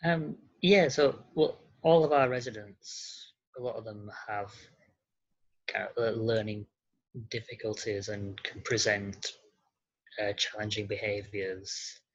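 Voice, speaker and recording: A man answering casually as an interview guest, halting and searching for words. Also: lowish voice, fairly even intonation, slightly rough. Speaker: podcast guest, care worker. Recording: slightly dull, lo-fi sound.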